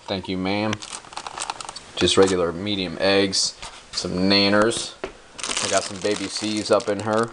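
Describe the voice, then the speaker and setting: A man's voice: low voice, background noise. A young man vlogging casually from his home kitchen, laid-back and slangy with lots of ums and uhs, talking to a handheld camera while crinkling grocery bags. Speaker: bodybuilder vlogger. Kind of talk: casual grocery haul show-and-tell. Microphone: handheld camera held close. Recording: crinkling bags and clicks close by.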